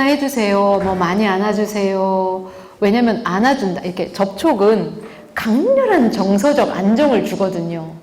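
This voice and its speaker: A woman lecturing a parenting class, lively and talking straight to her listeners, often asking them questions and acting out the quotes she tells. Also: medium pitch. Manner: lively, asks the audience rhetorical questions; acts out quoted speech in vivid voices. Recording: echoey hall, faint background noise.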